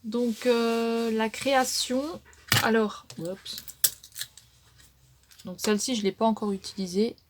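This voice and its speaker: A woman's voice: a little high, level tone, slow, pauses often, very noisy. Chatty hesitant woman beauty vlogger. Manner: chatty and hesitant, frequent fillers and trailing "hein". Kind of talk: casual makeup palette show-and-tell.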